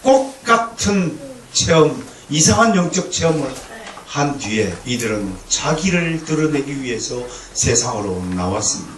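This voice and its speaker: A male pastor preaching a lively lecture-sermon to a congregation, with humor and call-and-response. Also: medium pitch, measured pace. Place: church sanctuary. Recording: echoey hall, distant mic, faint noise.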